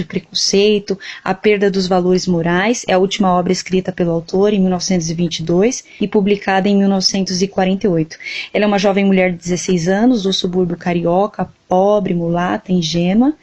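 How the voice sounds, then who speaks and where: A woman's voice: mid-range voice, a little mellow. A woman with a Brazilian accent giving a prepared explanation as a literature teacher and interview guest. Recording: dull, lo-fi band-limited sound.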